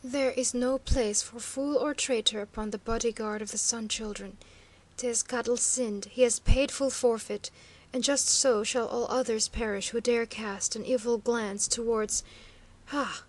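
A woman voicing a proud male master of guards who speaks in a cold, stern, measured way. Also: a little high, fairly even intonation.

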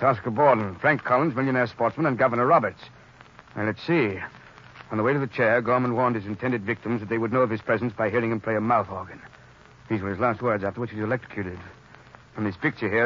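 An actor playing a composed, formal wealthy gentleman in an old radio drama. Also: lowish voice, close to an everyday voice. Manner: calm, measured, formal. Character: wealthy male philanthropist, composed, older gentleman. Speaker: warden and philanthropist Borden. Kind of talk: 1930s radio drama acting. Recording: dull old radio recording with faint hiss.

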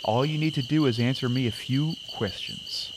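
A man's voice: medium pitch, moderate pace, very noisy, lightly acted. An actor playing an earnest camp preacher, folksy and solemn as he addresses his flock in an audio drama. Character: earnest male camp preacher leading a baptism.

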